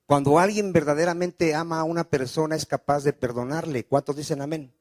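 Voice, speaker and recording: A pastor delivers a sermon in a fairly high voice. He keeps asking the congregation questions and calling for their amens. The sound is dry and close. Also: steady tone, brisk, dry recording. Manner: preaching with call-and-response questions.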